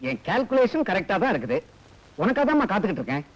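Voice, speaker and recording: A man's voice: high-pitched, big pitch swings, fast talker, muffled recording. An actor playing a smug, scheming male professor who mocks and leers at those around him, in film dialogue. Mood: sly. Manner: sly, mocking and leering. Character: smug predatory male professor, middle-aged, scheming villain. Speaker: lecherous college professor. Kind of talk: 1980s Tamil film dialogue. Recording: film soundtrack with music behind.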